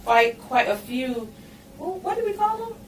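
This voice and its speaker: A woman's voice: sits high, very animated, unhurried, distant mic. A woman hosting a podcast interview, affirming her guest with frequent "right" and "mm-hmm". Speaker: podcast host. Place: podcast studio. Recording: roomy, off-mic with faint hiss.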